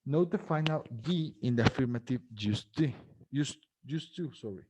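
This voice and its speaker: Male English teacher, native Spanish speaker with a Mexican accent, slow and patient, explains in Spanish and checks in with frequent tag questions. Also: medium pitch, expressive, noisy background. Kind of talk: bilingual grammar lesson.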